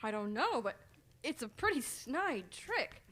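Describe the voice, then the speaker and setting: A woman plays a folksy small-town villager in a radio mystery. The voice is high and very animated, with hesitant, dramatic delivery. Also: a little slow, heavily acted. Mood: puzzled, indignant. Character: startled small-town New England villager, plain-spoken woman. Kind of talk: old-time radio drama acting.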